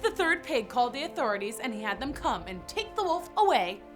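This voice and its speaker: High, animated woman telling children's stories. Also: brisk. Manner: theatrical, exclamatory, playful. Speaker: children's storyteller host. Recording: music bed behind the voice.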